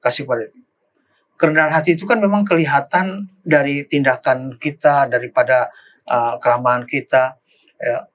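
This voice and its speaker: A man's voice: medium pitch, muffled recording. A man, a pastor, giving an informal Bible lesson at an easy pace, often repeating and restarting his phrases. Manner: unhurried, repeats and restarts phrases, acts out quoted remarks.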